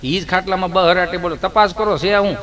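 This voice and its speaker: A man's voice: high-pitched, a little fast, a bit bright. Chatty man. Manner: chatty, addresses the audience with rhetorical questions. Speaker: stand-up comedian. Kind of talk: folk comedy storytelling.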